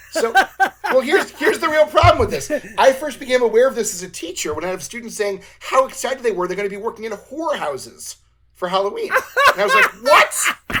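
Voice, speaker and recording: A man with an extremely high pitch and a New York accent, very fast and raised in a projected voice, with very wide pitch swings. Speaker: comics podcast host. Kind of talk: casual chat.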